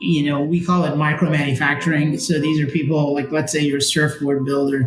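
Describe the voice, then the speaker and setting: A man's fairly high, monotone, flat voice with an American accent, fairly quick and very even in loudness, over music in the background. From Michigan. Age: 70s. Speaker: business founder and CEO. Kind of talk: interview. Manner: relaxed, conversational with many fillers.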